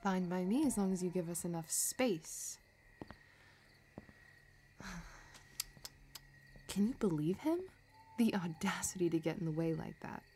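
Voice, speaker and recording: A woman playing a possessive, scheming villain in a romantic audio roleplay, talking in a soft, teasing, calculating way. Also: on the low side, measured pace, pauses often, slight background noise, natural voice. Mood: intimate, possessive. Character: possessive, scheming female villain obsessed with her crush.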